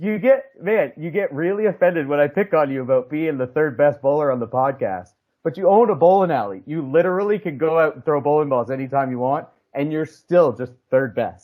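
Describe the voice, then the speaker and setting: A man with an ordinary speaking voice talks at a fairly quick pace, his fairly high pitch moving in a lively intonation. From Canada. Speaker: podcast co-host. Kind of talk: comedy roast.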